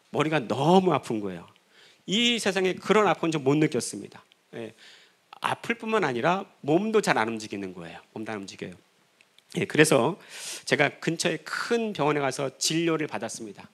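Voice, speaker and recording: Man, middle-aged pastor, sermon testimony, gravelly, slightly high voice, rhetorical questions. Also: a bit bright. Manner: storytelling with rhetorical questions, acts out quoted dialogue. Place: church sanctuary.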